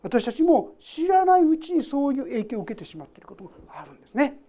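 A woman's voice: high-pitched, very animated, quick pace, mellow. A woman pastor preaching a sermon. She reads scripture aloud, explains it, and talks to the congregation directly with questions.

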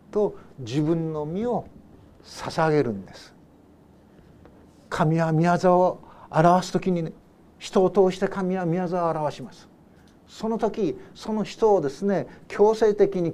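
Guy preaching a sunday sermon, kinda high voice but soft and warm, takes his time explaining verses. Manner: unhurried and explanatory, often adding soft "ですね" asides; reads scripture verses aloud and then paraphrases them. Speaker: pastor. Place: church service.

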